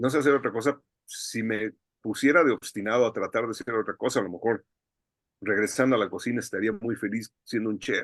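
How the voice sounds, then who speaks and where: A man speaks at a fairly quick pace in a normal speaking voice. His pitch is medium, and his intonation stays fairly even. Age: 60s. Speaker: sound editor. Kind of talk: interview conversation.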